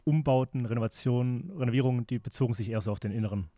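Relaxed mellow man hosting a podcast. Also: mid-range voice, racing, dry recording, clean studio sound. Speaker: podcast host interviewer. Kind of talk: casual conversational interview.

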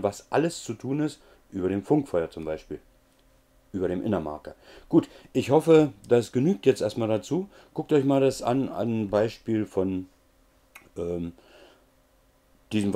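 A middle-aged male teacher explaining a memorization trick in a relaxed, chatty way, with frequent filler sounds. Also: lowish voice. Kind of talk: casual explanatory lesson.

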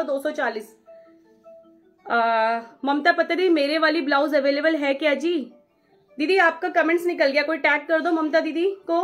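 Brief: young woman, high voice, live-stream seller, friendly and brisk, reads out viewers' names, mixes in English, soft music underneath. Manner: mixes English phrases into Hindi. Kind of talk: live-stream sales chat.

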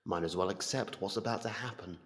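A man voicing an ancient void entity that calmly toys with its prey in an ASMR roleplay, slow, deliberate and condescending. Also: low-pitched. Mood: quietly menacing. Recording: cavernous long reverb.

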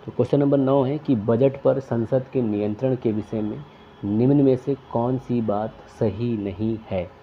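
A man's voice: mid-range voice, unhurried, lo-fi sound, a little hiss or hum. A man working through exam questions, reading each question and its options aloud before naming the answer. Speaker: quiz tutor.

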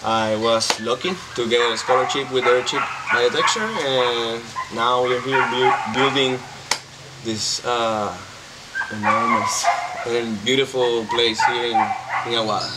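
A man's voice: medium pitch, steady tone, a little slow, very noisy. A young man, answering interview questions earnestly outdoors, with many fillers. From Puerto Rico. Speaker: volunteer builder. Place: outdoors by a bottle wall.

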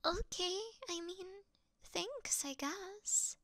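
A woman's voice: very high voice, animated, very slow, bright, forceful tone, no echo, exaggerated voice. A woman voicing a clumsy, easily scared young female thief who acts tough in an ASMR roleplay, flustered, pouty and stammering. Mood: sheepish, relieved.

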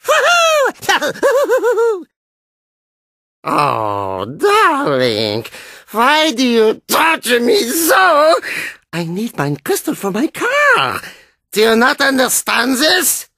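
A performer voicing an excitable, melodramatic male German racer who adores his car, in a video game, with a German accent and theatrical exclamations. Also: high-pitched, very slow, no room sound, studio quality, heavily acted. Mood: pleading, exasperated. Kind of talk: video game character acting.

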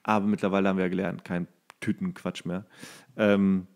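A man's voice: low-pitched, flat delivery, brisk, gravelly, a little mellow. A man co-hosting a podcast, telling rambling anecdotes in casual, comedic chat and acting out quotes. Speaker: podcast co-host.

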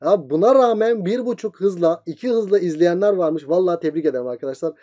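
A male teacher rattles through a geometry review at a breakneck pace. His voice sits high for a man but has a mellow, soft-edged tone. He keeps asking the students' questions himself and then answering them. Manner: very fast talker, voicing student questions himself. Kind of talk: geometry lesson.

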